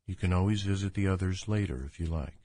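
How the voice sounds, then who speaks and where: A man leading a guided imagery relaxation as a doctor, speaking in a calm, soothing, unhurried manner. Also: low voice. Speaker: doctor guiding a relaxation exercise.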